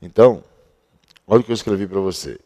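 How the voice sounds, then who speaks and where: A man's voice: low-pitched, fast, warm tone. A man teaching a recorded grammar lesson at a board, explaining step by step and asking and answering his own questions. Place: at a board he writes on and erases.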